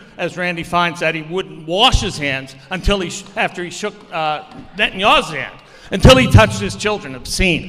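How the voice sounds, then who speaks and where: A man's raised, projected voice at a moderate pace, with lively intonation and noticeable background noise. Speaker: professor. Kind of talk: heated debate.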